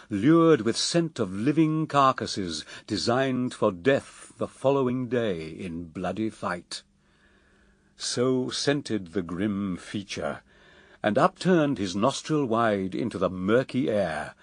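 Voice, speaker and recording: An actor reading as the poet, narrating epic verse for radio drama in a solemn, declamatory, measured way. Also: male voice, lowish voice, dry recording. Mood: grave, vivid.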